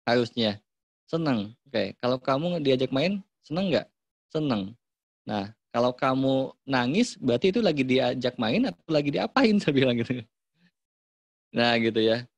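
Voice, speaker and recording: A man's voice: mid-range voice, moderate pace, long pauses, no room sound. Chatty Indonesian man with a dry sound. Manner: relaxed, chatty, acts out parent and child lines. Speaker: parenting workshop speaker. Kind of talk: casual online talk.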